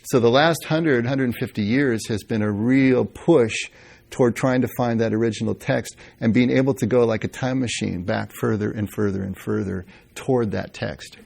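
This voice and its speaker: A man's voice: mid-range voice, moderate pace, vocal fry, a little mellow. A man teaching Bible history in an informal lecture, answering questions and thinking aloud with fillers and restarts.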